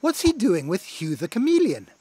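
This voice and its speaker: An expressive narrator telling a children's cartoon story, reacting to the action with exclamations and questions. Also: mid-range voice, normal speed, slight background noise. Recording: music behind the voice. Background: cartoon music.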